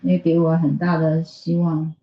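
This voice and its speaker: A woman who is a native Mandarin speaker, interpreting informally and a bit haltingly as she searches for words. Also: low voice, monotone, roomy sound, muffled recording. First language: Mandarin Chinese. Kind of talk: consecutive interpreting in informal talk.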